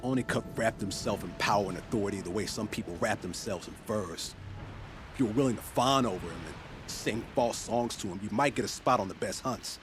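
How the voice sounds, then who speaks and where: A man's voice: fairly low pitch, fairly quick, lightly acted. A man playing an outspoken, talkative young tribal hunter in a video game cutscene. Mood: bitter, angry. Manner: emphatic, outspoken. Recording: music behind the voice.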